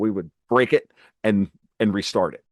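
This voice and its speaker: A man with a fairly low pitch speaks in an unremarkable speaking voice with fairly even intonation. The sound is dry and close with no echo. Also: quiet background. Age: 50s. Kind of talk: casual chat.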